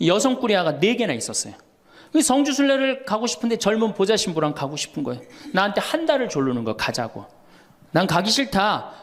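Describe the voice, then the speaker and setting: A man's voice: high voice, fast. A Catholic priest in his sixties giving a humorous sermon to an audience, telling stories with laughter and acting out the dialogue. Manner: storytelling with laughter and lively quoted dialogue.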